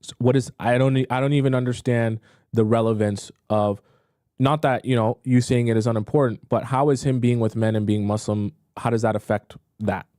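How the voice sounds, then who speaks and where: A man coaching on dating during a livestream, reading viewer questions and reacting with animated disbelief. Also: medium pitch, a little fast, dry recording, clean studio sound. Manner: animated, incredulous, talks to chat. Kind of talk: livestream advice talk.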